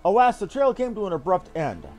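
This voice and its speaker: A man's voice: sits high, very animated, fairly quick, darkish tone. A man voicing a dutiful military captain who reports in formal, archaic words. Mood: formal, reporting. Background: game music.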